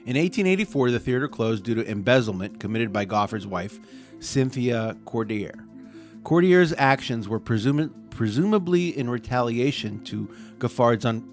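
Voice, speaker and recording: Male podcast host, mid pitch, casual read-aloud with stumbles and laughs, faint music behind. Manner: reads haltingly, stumbles over words, laughs often.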